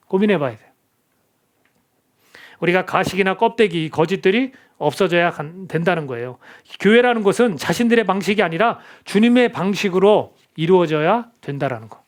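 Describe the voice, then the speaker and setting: A middle-aged male pastor delivers a sermon in a church in a fairly high voice. He talks earnestly and conversationally and keeps turning to the congregation with questions. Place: church sanctuary.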